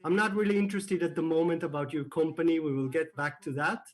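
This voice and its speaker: A man opens an online founders' program over a video call. His voice sits a little high for a man, and he hesitates often, his sentences broken by fillers and restarts. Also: fairly even intonation, fast talker. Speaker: program host. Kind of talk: video call welcome and introductions.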